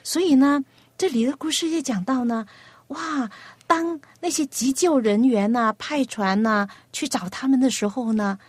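A woman hosting a children's radio program, asking a young guest patient, coaxing questions and telling a gentle story. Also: high voice, moderate pace, breathy edge, no echo.

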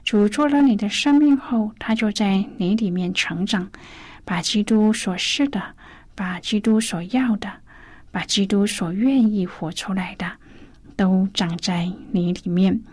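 A woman hosting a Christian radio devotional program, reading and preaching gently, often sliding into breathy, whispered phrases. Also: medium pitch, a little slow.

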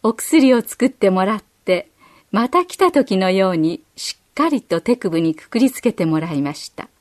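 Gentle woman reading a children's story. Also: medium pitch, animated, normal speed. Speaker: narrator. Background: faint music.

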